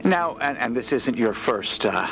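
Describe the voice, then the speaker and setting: A man playing a deferential journalist in an audio drama interview, hesitant and flattering as he speaks. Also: mid-range voice, measured pace, gravelly, slight background noise. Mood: admiring. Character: admiring male journalist interviewing a scientist.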